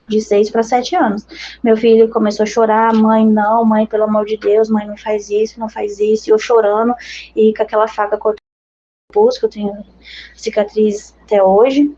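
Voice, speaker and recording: A woman's voice: on the high side, mellow, dull audio. A woman missionary with a Brazilian accent giving an earnest, conversational religious testimony to her brothers and sisters in faith.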